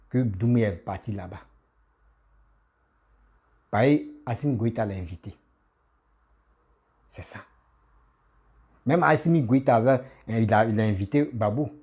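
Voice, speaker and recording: A man's voice: mid-range voice, warm tone, husky. A man who has a cold, giving a casual, insistent political rant that scolds his listeners. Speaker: political commentator.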